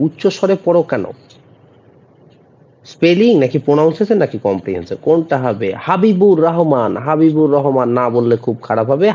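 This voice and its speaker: A male teacher from West Bengal running a live online exam-prep class, reading quiz questions slowly and teasing students by name. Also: a little high, dark tone, muffled recording. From West Bengal, India. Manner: reads English quiz questions slowly, then quizzes quickly in Bengali.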